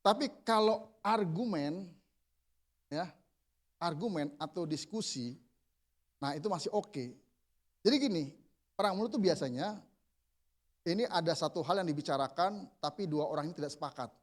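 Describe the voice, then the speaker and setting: A man's voice: fairly high pitch, lively intonation, moderate pace, long pauses. A man, a pastor preaching to a men's group in a casual, conversational way, answering his own questions and slipping into everyday slang.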